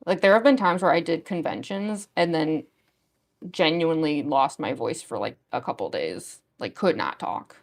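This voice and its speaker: A young woman with a gruff voice that is going hoarse, chatting casually with viewers on a livestream in a rambling way full of fillers. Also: deep voice, expressive, normal speed. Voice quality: gruff, smoker-like voice. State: losing her voice. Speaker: livestream artist. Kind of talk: casual chat with stream viewers.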